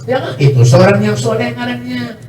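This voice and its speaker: A man's voice: very high voice, lively intonation, normal speed, a little mellow, slight background noise. Male preacher, Banjar accent, playful sermon, keeps checking in with the crowd; roomy, distant sound. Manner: jokes often and keeps asking the crowd "ya kan?". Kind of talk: humorous sermon. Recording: echoey hall, mic far off.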